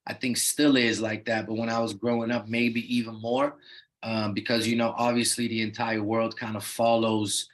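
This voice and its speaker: A man's voice: lowish voice, level tone, moderate pace. A young man raised in the Netherlands, a rapper talking as an interview guest in a laid-back, loose way with lots of "you know what I mean" fillers. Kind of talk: casual interview talk.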